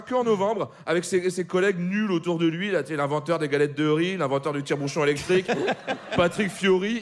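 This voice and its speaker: A man's voice: high-pitched, slight background noise. A man delivering a live comic radio chronicle, rowdy and swearing, laughing at his own jokes, in a studio before an audience. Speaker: comedy columnist.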